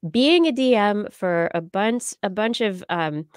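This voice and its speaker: This middle-aged American woman, a podcast host, speaks close into a large boom-arm microphone while hosting a casual, playful, rambling livestream chat indoors on a video call. Her mid-range voice has lively intonation, a measured pace, and a clear, resonant, darkish tone, with no room sound.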